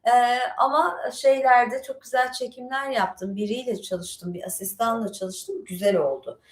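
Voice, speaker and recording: A woman's voice: on the high side, measured pace. A woman hosting a casual livestream, chatting in a rambling way with lots of fillers and asides. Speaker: livestream host. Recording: echoey room.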